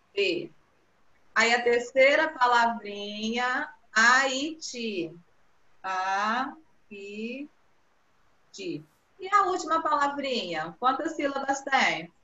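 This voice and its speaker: A woman's voice: sits high, lively intonation, slow pace, pushed and bright. A woman with a Brazilian Portuguese accent teaching young children in an online class, patiently coaxing and stretching out words. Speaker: primary school teacher. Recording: echoey room, dull video-call audio.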